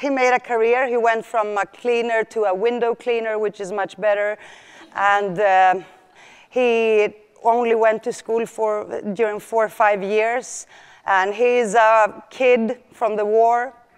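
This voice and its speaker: A woman with a Greek accent, fairly high in pitch, at a fairly slow pace. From Sweden, Rinkeby suburb of Stockholm, Greek family. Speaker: journalist and author, conference speaker. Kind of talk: conference keynote speech. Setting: stage with audience. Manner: animated, expressive.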